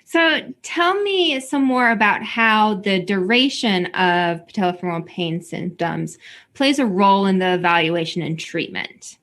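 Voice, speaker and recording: Woman host asking questions, mid pitch, plain talk. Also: expressive, a little slow, fairly bright tone. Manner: asks questions, reads a quote aloud. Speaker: podcast host. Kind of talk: podcast interview.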